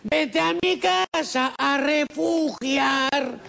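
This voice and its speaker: A man's voice: very high voice, extremely slow, gravelly, bright, forceful tone. A man making a comic prank phone call, wheedling and scheming, calling everyone brother. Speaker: prank caller.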